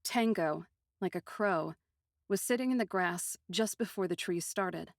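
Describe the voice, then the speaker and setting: Woman reading a first person fantasy story, kinda low voice, expressive, very dry recording. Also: measured pace, dry recording. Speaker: narrator.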